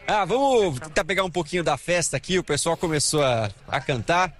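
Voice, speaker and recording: A man reporting live from a stadium for radio, talking lively and often turning to the host. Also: a little high, a little fast.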